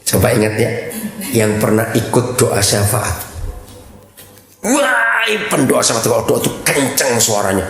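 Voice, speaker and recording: A man preaching a sermon as pastor, blunt and emotional, dropping to low asides and then shouting in mimicry. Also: wildly swooping pitch, measured pace, vocal fry, long pauses. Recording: echoey church hall.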